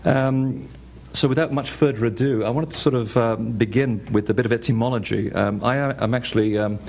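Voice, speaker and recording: A man's voice: medium pitch, fairly quick, creaky, a little mellow, slight background noise. A man from Portugal with a Portuguese accent giving a conference lecture with slides, hesitant, with many fillers and restarts.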